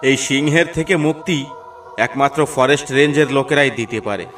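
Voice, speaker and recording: A man's voice: medium pitch, fairly quick, a bit bright, distant mic, faint music behind, lightly acted. A man voicing an anxious village man in a cartoon, pleading and fearful.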